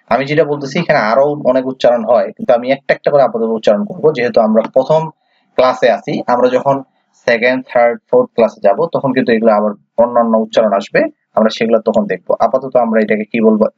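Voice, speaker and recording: A man's voice: medium pitch, a little mellow, dry recording. A man from Bangladesh teaching English reading, sounding out letters one by one and patiently asking and answering his own questions. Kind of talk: classroom lesson, spelling out letters. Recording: dull, dry, lo-fi sound.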